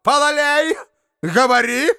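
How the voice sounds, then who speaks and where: A man's voice: very high voice, takes it slowly, pushed and bright, pitched above the performer's own voice, heavily acted. A man voicing a pompous, self-pitying male hypocrite in an audiobook, declaiming indignantly and melodramatically. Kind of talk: audiobook reading.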